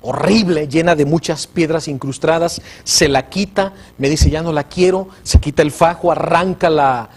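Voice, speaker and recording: Husky Mexican Catholic TV preacher. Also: male voice, fairly high pitch, moderate pace, hardly any pauses, a little mellow. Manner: earnest, dramatic, preacherly. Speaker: host of a Catholic TV program. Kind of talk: religious testimony storytelling.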